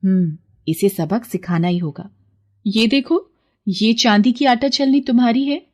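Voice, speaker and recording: A woman's voice: a little high, unhurried, darkish tone. A woman voicing a righteous female pond goddess in a cartoon story, speaking in a commanding, scolding way.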